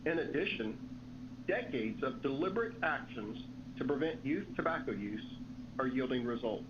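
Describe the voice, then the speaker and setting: A man's voice: mid-range voice, lively intonation, normal speed. A man reading scripted remarks as a company executive on an earnings call. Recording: dull lo-fi call audio, clear noise.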